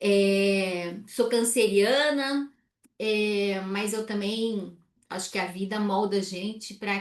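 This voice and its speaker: At a very slow pace, a woman speaks at medium pitch with fairly even intonation. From Santa Catarina, Brazil (Blumenau). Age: 40s. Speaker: network marketing distributor. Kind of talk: personal testimony.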